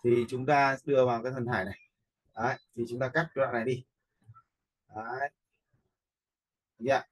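A man giving an informal step-by-step software tutorial as an instructor, often checking that viewers follow. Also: medium pitch, fairly even intonation, brisk, low-quality recording. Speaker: video editing instructor.

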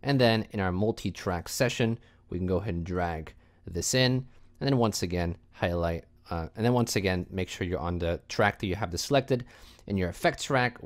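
A man with a fairly low voice hosts a software tutorial. He talks in an informal, casual way and walks the listener through things step by step. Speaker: tutorial host. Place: indoors, voice-over for screen recording.

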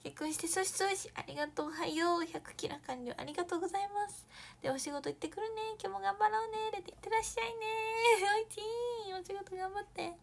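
A young woman chatting casually on a morning live stream, reading viewer comments, thanking viewers in a bubbly way and sometimes dropping to a soft whisper. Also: very high voice, fast, gravelly.

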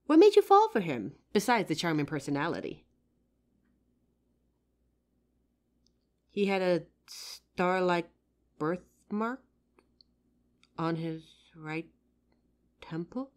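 A woman playing a friendly, curious psychic who helps out in a costume shop, chatting expressively to the listener in a roleplay audio drama. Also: on the low side. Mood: tender, curious. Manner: chatty, expressive, with pauses and soft laughs. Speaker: voice actor. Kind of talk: roleplay audio drama, one side of a chat addressed to the listener.

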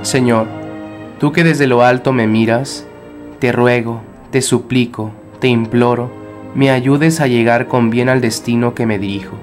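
Man, solemn recited prayer, measured delivery, faint music underneath. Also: medium pitch, steady tone. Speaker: prayer reader.

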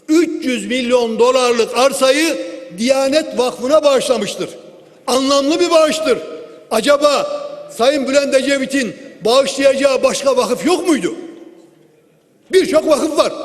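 A man giving a forceful political speech from the rostrum, speaking into a lectern microphone in a large hall and asking rhetorical questions. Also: very high voice. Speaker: member of parliament giving a speech. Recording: long hall reverb.

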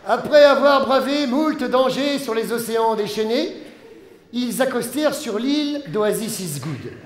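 A man's voice: extremely high pitch, expressive, unhurried. A man performing a comic sketch on stage, telling a story and switching into many silly character voices. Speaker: comedian. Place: theatre stage before a live audience. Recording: roomy live stage recording with audience noise.

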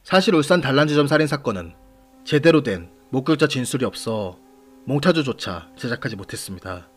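A man hosting and narrating a scripted true-crime series in a measured, formal manner, putting questions to the audience. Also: mid-range voice, sing-song. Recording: voice over background music. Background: background music.

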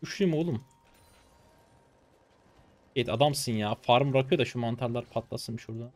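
A man in his twenties commentating his own gameplay live, excitable and swearing casually as he talks to viewers. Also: medium pitch, moderate pace. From Turkey. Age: 20s. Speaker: game streamer.

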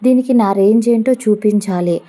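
A woman's voice: mid-range voice, moderate pace, warm tone, lightly acted. A woman voicing a cocky young male film star, smug and arrogant.

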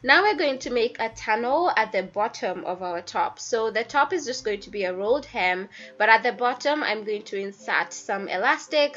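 A young woman with the flu, her voice raspy and hoarse, narrating a sewing tutorial in a chatty, playful way and talking straight to her viewers. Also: medium pitch. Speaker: DIY fashion YouTuber. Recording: slightly dull audio with soft background music.

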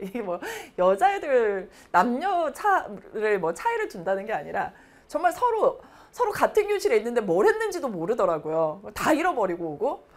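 A woman in her thirties teaching a math lesson, walking students through exam problems and drifting into chatty anecdotes. Her voice sits fairly high and swings widely in pitch as she talks, keeping the delivery animated. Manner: lively, chatty storytelling asides. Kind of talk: lecture explaining exam problems.

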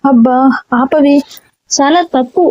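A woman reading a story aloud and voicing a feisty, flustered young heroine who shouts when upset. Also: slow pace, no room sound, muffled recording. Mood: exasperated. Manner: exasperated, shrill outbursts.

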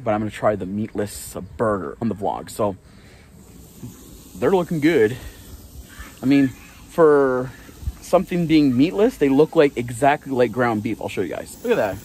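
A man's voice: medium pitch, darkish tone, a little hiss or hum. A man in his thirties chatting casually to his phone camera at arm's length, rambling and correcting himself with small laughs. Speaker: vlogger. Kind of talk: casual daily vlog to camera. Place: outdoors by a parking lot and indoors on an armchair. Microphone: phone held at arm's length.

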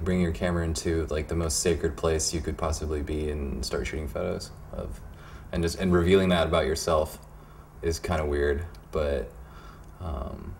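A man's voice: sits low, slight background noise. A man, a photographer, talking reflectively and hesitantly, searching for his words. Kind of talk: reflective interview talk.

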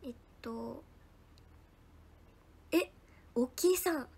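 Slow and husky, with a gravelly edge to her bright, high voice, a young idol livestreamer chats casually over viewer comments. She names and thanks viewers one at a time, now and then whispering soft asides.

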